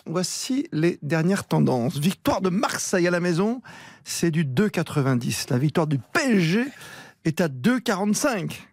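A man hosting a sports radio show with lively, bantering talk about betting. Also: a little high, moderate pace, no echo, studio quality.

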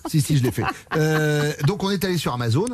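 A man's voice: fairly high pitch, lively intonation, brisk, heavy background noise. Upbeat male radio host. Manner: playful, laughs often while talking. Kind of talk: lively radio show hosting.

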